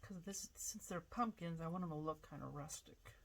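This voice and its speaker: Relaxed woman with a low voice. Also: normal speed, vocal fry, background noise. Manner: chatty, relaxed, thinking aloud with fillers. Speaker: pottery artist demonstrating glazing. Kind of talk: casual demonstration. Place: home pottery studio.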